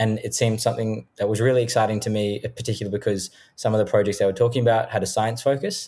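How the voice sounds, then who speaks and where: In an Australian accent, a man speaks at a medium pitch with a dark, mellow tone and monotone, flat intonation. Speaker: university student, social enterprise team member. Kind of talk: interview. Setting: video call.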